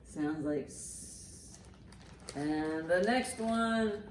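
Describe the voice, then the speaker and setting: A woman with a slightly low voice leads a storytime for young children. Her delivery swings widely in pitch as she reads and explains things simply and expressively. There is noticeable noise in the background. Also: very animated, measured pace, a little mellow, low-quality recording. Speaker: children's librarian, storytime host. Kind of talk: children's storytime, reading a picture book aloud and commenting.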